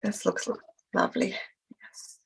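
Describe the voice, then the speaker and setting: A woman from Hungary, speaking English with a Hungarian accent, calmly demonstrating a craft technique with frequent hesitations. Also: low-quality recording. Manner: hesitant, many fillers, explains steps slowly. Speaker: guest crafter.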